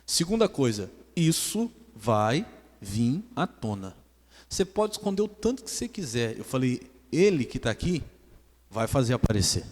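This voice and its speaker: A man's voice: mid-range voice, big pitch swings, normal speed. A man with a Brazilian Portuguese accent preaching a sermon as pastor, asking the congregation questions and telling stories. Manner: preaching with call-and-response questions, then storytelling. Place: church hall. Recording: church hall with long reverb.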